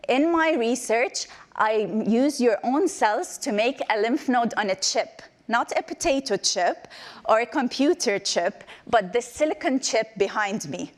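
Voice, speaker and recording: A woman's voice: a little high, animated, a little slow. A woman in her twenties from Palestine, raised in the Emirates. She gives a short, playful research talk as a PhD candidate, then answers questions with many ums.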